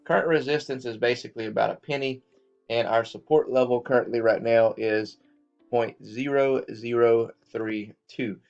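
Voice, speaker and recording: A man's voice: medium pitch, fairly even intonation, normal speed, gravelly, a little mellow, dull audio, faint music behind. A man hosting a finance channel, talking casually to his viewers with lots of fillers and checking in with "okay?" as he goes. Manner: loose and chatty, many fillers, checks in with "okay?". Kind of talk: casual market commentary to viewers.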